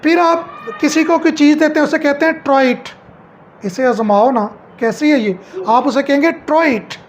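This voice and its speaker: A woman's voice: high voice, unhurried, dull audio, slight background noise. A middle-aged woman at home teaching English phrases, asking each one back as a question and then answering it.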